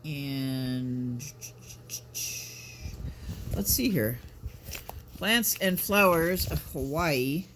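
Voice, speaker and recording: A man in his fifties vlogging casually, talking in a halting, musing, rambling way. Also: fairly high pitch, animated, fairly bright tone. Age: 50s. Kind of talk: casual chat. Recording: noticeable background noise.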